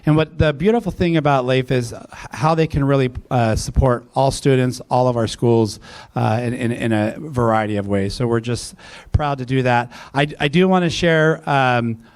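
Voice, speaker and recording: A school district leader gives a speech at a live event through a handheld or podium mic, his mid-range voice clear and resonant at a moderate pace. His delivery is hesitant, packed with fillers and restarts.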